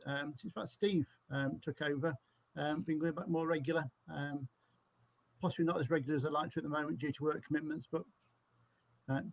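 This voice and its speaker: A middle-aged man from Mansfield, England, talks as a guest on a fan podcast over a video call. He speaks quickly, in a slightly raised pitch, and fills his sentences with "um"s. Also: low-quality recording. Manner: quick with lots of "um"s. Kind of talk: casual chat.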